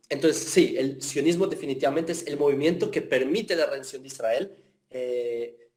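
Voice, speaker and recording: A man gives an online class and answers questions, explaining patiently and often asking if he is followed. His voice sits a little high with a warm, mellow tone. The sound comes over a video call. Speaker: teacher of Jewish philosophy.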